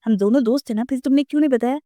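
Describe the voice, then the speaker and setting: A woman voicing a teasing, outspoken young man in a romance story read aloud, with raised emotional pitch. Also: racing, dark tone, dry recording, clean studio sound, close to an everyday voice.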